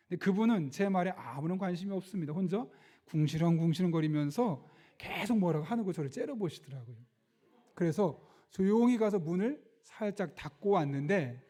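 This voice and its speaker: Mellow-voiced pastor telling a story. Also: male voice, fairly high pitch. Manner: storytelling, acts out quoted speech. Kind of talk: sermon with announcements and prayer.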